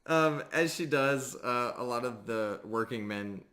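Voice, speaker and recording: A man improvising tabletop game narration as game master, with hesitant, halting phrasing. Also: medium pitch, sharp tone.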